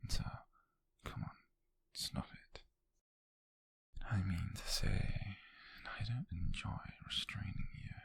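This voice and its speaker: Man acting a gravelly whispering British mafia captor. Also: deep voice, a bit bright, no echo, full character voice. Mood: soothing, controlling. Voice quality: breathy, husky whisper. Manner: slow, deliberate, menacingly tender. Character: possessive male mafia kidnapper, obsessive, softly menacing, tender. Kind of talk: ASMR roleplay, intimate whispered acting.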